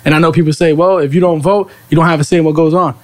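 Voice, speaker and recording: A man's voice: a little high, fairly even intonation, rapid-fire. A man hosting a casual podcast chat, talking loosely and rambling, often checking "you know what I'm saying". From Latino, from Connecticut. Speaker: podcast host.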